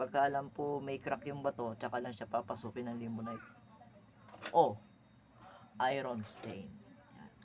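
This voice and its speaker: The speaker keeps a moderate pace and ordinary pitch variation but leaves long, frequent pauses. Loudness rises and falls in big swings. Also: man. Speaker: gem cutter and rockhounding vlogger. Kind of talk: casual tutorial. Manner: unscripted, sometimes stumbling over words.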